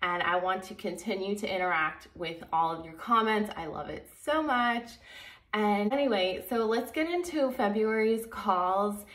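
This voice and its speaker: A woman's voice: medium pitch, a little slow, fairly bright tone, roomy sound. A woman hosting a video channel, talking to viewers in a casual, chatty, rambling way. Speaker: host of a true crime video channel.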